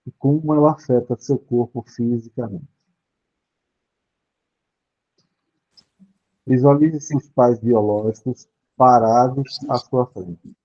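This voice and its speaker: A Brazilian man reading a reflective questionnaire aloud to a group, slow and measured. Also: mid-range voice, dark tone, highs cut off. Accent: Brazilian Portuguese.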